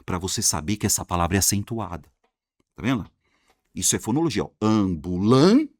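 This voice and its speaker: A man with a Brazilian accent giving an energetic grammar lesson, talking in slang and answering his own questions. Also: sits low, fast, no room sound, clean studio sound. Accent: Brazilian Portuguese. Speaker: Portuguese grammar teacher.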